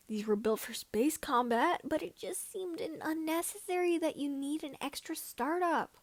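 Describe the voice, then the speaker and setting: Seventeen-year-old male mechanic female reader: earnest, excitable, chatty, high voice, dry audiobook sound. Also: no echo, exaggerated voice. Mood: indignant.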